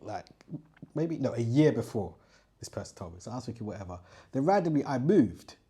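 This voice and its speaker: A man born in the United Kingdom co-hosting a podcast, talking in a relaxed, casual way with lots of "yeah"s and acted-out quotes. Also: mid-range voice, brisk, breathy edge. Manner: relaxed, many "yeah"s, acts out quoted voices. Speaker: podcast co-host. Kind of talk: casual chat. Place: indoor podcast studio.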